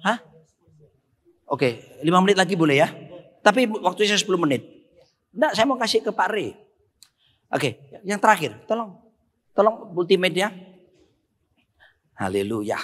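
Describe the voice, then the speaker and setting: Animated high-voiced pastor in a hall. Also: male voice, breathy edge. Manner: storytelling with jokes, bursts into singing. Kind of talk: humorous workshop sermon.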